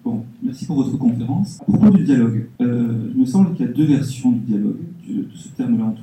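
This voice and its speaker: Formal male audience member, very dark mellow voice, learned tone, roomy and distant. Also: mid-range voice. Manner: formal, erudite questioning. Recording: echoey hall, far from the mic.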